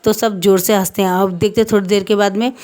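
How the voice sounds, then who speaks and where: A woman's voice: medium pitch, flat delivery, fast, warm tone, slight background noise. A woman casually narrating her own fan fiction, rambling and correcting herself mid-sentence.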